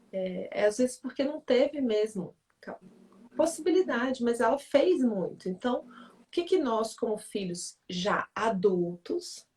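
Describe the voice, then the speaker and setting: A woman's voice: on the high side, a little mellow. A woman who writes for readers, explaining family relationships in a reflective, teacherly way and often checking in with "né?". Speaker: author and family-relations speaker in a livestream. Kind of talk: explanatory talk in a live conversation. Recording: voice somewhat distant from the mic.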